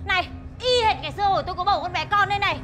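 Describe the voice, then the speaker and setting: An actress playing a nosy, chatty middle-aged friend in a TV drama who gossips freely. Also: female voice, very high voice, rapid-fire, music in the background, crowd noise. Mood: gossipy. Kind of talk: TV drama acting.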